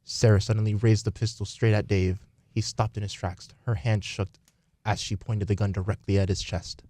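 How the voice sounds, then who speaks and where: A man's voice: on the low side, little pitch movement, moderate pace, darkish tone. A man reading scripted story narration as the narrator of a radio play.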